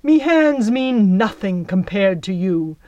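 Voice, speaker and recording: A woman's voice: medium pitch, lively intonation, slow pace, warm tone, dry recording, dull audio. A woman reading an audiobook, voicing a scheming young male giant who sweet-talks in a theatrical, coaxing way.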